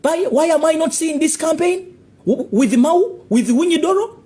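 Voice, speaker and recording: A man's voice: extremely high pitch, expressive, moderate pace. A man with a Ugandan English accent delivering a heated political rant to camera, accusing his listeners and firing off repeated rhetorical questions. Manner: rising to near shouts. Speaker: political commentator.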